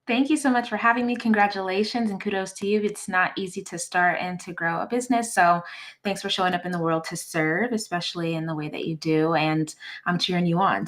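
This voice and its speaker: A woman from Uganda, raised in the United States, speaking as an interview guest in an earnest, reflective, conversational way. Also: medium pitch. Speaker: wealth coach and guest.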